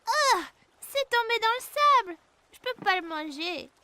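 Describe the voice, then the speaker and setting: A woman's voice: very high voice, very animated, measured pace, pushed and bright, heavily acted. A woman voicing an eager, sweet four-year-old boy in a cartoon dub, exclamatory and childlike. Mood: upset. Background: background music.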